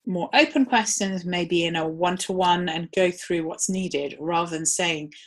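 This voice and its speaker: Low-voiced woman presenting a webinar. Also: a little slow. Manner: conversational, frequent ums. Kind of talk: live webinar talk.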